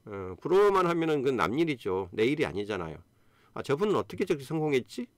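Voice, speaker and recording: A man's voice: medium pitch, sing-song, fast, dry recording, studio quality. A man in his fifties hosting a live stream, talking earnestly and encouragingly with many fillers. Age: 50s. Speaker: YouTube host. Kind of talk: casual live-stream talk.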